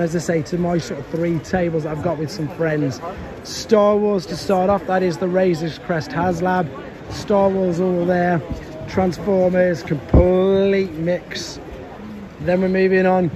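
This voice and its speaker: A man's voice: high-pitched, steady tone, normal speed, crowd noise. Chatty British man vlogging on his phone. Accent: British English. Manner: chatty, upbeat, a little tired. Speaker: toy seller and YouTuber. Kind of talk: casual vlog to camera. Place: bedroom, then car, car park and big indoor exhibition hall. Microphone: phone held at arm's length. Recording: phone audio with hall noise.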